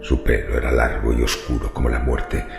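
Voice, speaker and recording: A man's voice: level tone, brisk, exaggerated voice. A man playing a macabre, brooding cemetery wanderer who confides morbid secrets in a theatrical horror radio monologue. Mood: enraptured. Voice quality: very deep, gravelly creaking voice. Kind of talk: dramatic first-person horror radio monologue. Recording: roomy reverberant voice over music. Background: faint music.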